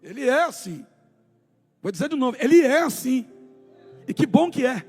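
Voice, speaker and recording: A man preaching a sermon at a church service, with fervent delivery that swings from shouting to hushed storytelling. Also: very high-pitched, sing-song, a little fast, breathy edge, soft background music. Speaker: pastor.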